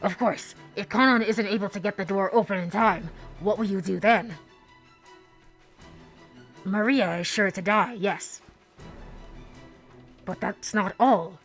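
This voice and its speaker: A woman's put-on character voice at medium pitch, moderate in pace, with fairly even intonation, long, frequent pauses and faint music in the background. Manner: menacing, taunting.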